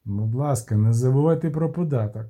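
A man's voice: mid-range voice, brisk, mellow, natural voice. A man voicing a pompous, self-important male city official. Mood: officious.

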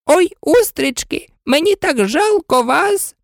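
A woman's voice: high-pitched, expressive, slow, dry recording, studio quality, pitched above the performer's own voice, exaggerated voice. A woman voicing a greedy, sentimental male walrus in a storybook reading, in a raised, fussy voice. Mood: sly, mournful.

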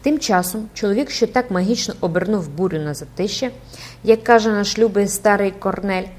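A woman narrating a classic novel as an audiobook, expressive and dramatic. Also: medium pitch, brisk.

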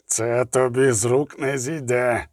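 A man voicing a wounded, menacing male spy who talks slow, slurred and threatening. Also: fairly high pitch, animated, vocal fry, dry recording, clean studio sound, full character voice.

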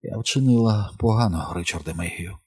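A man voicing a badly wounded woman hunter, fierce and proud, who speaks in urgent whispers and loud battle calls. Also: low-pitched, fairly even intonation, moderate pace, husky.

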